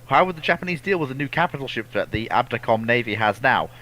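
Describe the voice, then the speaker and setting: Bright-voiced man with a halting delivery. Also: medium pitch, expressive, rough recording. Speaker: co-host reading out and answering viewer questions. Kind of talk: casual naval history discussion.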